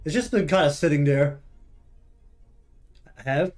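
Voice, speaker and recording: A high-voiced man talks through a video game in casual let's-play style. He chats and jokes, and swears casually as he reacts. Faint game music sits in the background. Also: unhurried, darkish tone. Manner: chatty, joking, swears casually. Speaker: gaming video host.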